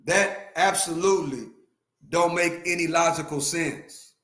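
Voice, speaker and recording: A man's voice: a little high, a little slow, a bit bright, reverberant. A man in his fifties ranting emphatically on a livestream, repeating his points and talking straight to his chat. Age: 50s. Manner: emphatic, repetitive, talks to chat. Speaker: livestream host. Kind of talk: opinionated livestream rant.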